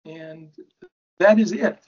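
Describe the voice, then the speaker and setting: Man, video call, fairly high voice, dull lo-fi sound, measured, procedural. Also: darkish tone. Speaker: university bargaining representative. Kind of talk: formal meeting talk.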